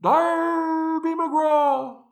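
A man voicing an unseen ghostly pirate with a thin, high, trembling voice that wails drawn-out words. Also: steady tone, creaky, echoey room, far from the mic, heavily acted. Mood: wailing. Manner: wailing, drawn-out.

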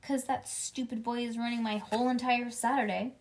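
A woman voicing a stubborn, excitable little girl from a storybook, complaining indignantly in childish grammar. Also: a little high, fairly quick, voice pushed up, natural voice. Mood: indignant, whiny. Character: stubborn, whiny, excitable little girl narrating her troubles.

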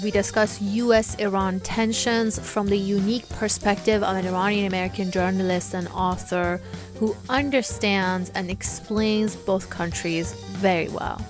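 A woman with a mid-range voice hosts an interview. She asks her questions in a measured, deliberate way with some pauses, and faint music plays behind her. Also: medium pitch. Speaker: podcast host. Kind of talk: hosted interview.

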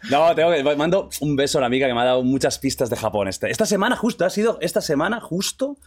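A man's voice: fairly high pitch, expressive, quick pace. A man hosting a podcast in a studio, chatting casually and asking curious questions. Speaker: podcast host. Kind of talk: casual chat.

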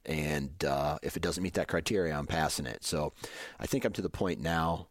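A man's voice: very deep voice, normal speed, no room sound, studio quality. A man in his late thirties, chatting casually as a podcast co-host in a laid-back, hesitant way with many ums and uhs. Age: 30s. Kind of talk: casual chat.

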